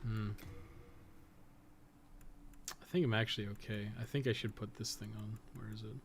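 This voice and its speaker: A man's voice: on the low side, steady tone, moderate pace, a little hiss or hum. A man giving casual, profane live game commentary, chatting informally and often muttering to himself as he plays. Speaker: gaming podcast co-host.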